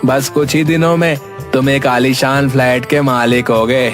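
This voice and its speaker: A man voicing a boastful, smooth-talking young schemer in a cartoon, with a salesman-like pitch. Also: steady tone, measured pace, soft background music, natural voice. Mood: smug. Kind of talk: cartoon voice acting.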